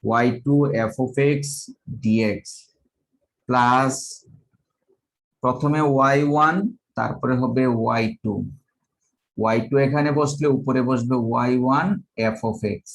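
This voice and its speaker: A man from Bangladesh lecturing on math, talking slowly and methodically and dictating each formula step by step. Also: mid-range voice, gravelly, low-quality recording.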